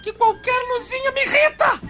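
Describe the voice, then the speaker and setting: A man's voice: extremely high pitch, a little fast, bright, forceful tone, voice pushed up. A man voicing a whining, headachy wife who pleads pitifully in a comic radio joke. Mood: whimpering pleading. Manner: whimpering, pleading. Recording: music bed behind the voice.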